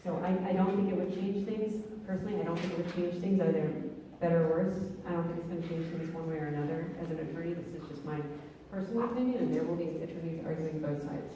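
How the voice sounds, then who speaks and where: A woman attorney answering audience questions at a panel, measured and hedging as she thinks aloud. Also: fairly low pitch, warm tone, a little hiss or hum. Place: church hall at a public meeting. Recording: roomy hall, mic far off.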